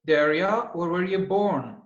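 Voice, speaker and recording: A man, an English student, reading a practice dialogue in a quiet, measured way over a video call. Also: high-pitched, lively intonation. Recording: roomy, dull video call audio.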